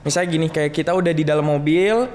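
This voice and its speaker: A young man talking reflectively in a relaxed podcast chat, mixing in jokes. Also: a little high, fast. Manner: reflective, joking, many restarts and slang. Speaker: guest musician.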